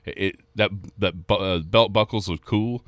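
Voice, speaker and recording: Male sports radio host, lowish voice, loose and joking delivery, dry studio mic. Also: a little slow, a bit bright, no room sound. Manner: easygoing, joking, rambling.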